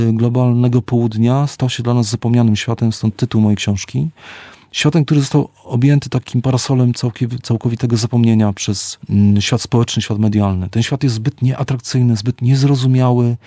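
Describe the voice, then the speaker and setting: A middle-aged man, an author and psychologist, giving reflective, measured interview answers and slowing down to stress key words. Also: mid-range voice, steady tone, dark tone, no echo.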